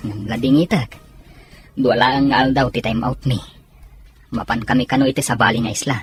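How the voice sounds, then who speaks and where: A man's voice: mid-range voice, fairly even intonation, moderate pace, lightly acted. A man with a Filipino accent acting a dutiful soldier and family man in an audio drama. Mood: explaining. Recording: some background noise.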